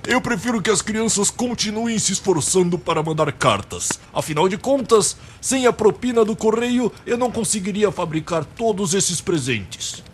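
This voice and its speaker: A man's voice: high-pitched, expressive, moderate pace, hardly any pauses, a little hiss or hum. A man voicing a jolly, scheming old Santa Claus with a Brazilian accent and a grandiose manner in a comedic radio play. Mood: jolly, grand. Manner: grandiose, theatrical.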